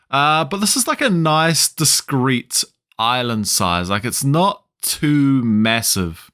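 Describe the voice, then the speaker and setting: A man with a New Zealand accent speaks at a very slow pace and a fairly high pitch, with very wide pitch swings and very even loudness. His tone is bright and sharp, and the sound is dry and close with no echo. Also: very clean recording, silent background. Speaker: gaming video creator. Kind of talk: casual gameplay commentary.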